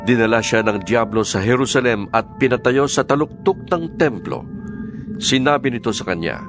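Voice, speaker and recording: A man's voice: mid-range voice, lively intonation, normal speed. A man with a Filipino accent narrating a scripted audio Bible. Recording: music under the voice.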